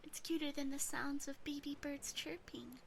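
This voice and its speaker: A woman voicing a teasing, obsessive yandere demon sister in an ASMR roleplay, breathy and often whispering, gently doting and possessive. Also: high-pitched, fairly even intonation, normal speed, slight background noise. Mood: adoring.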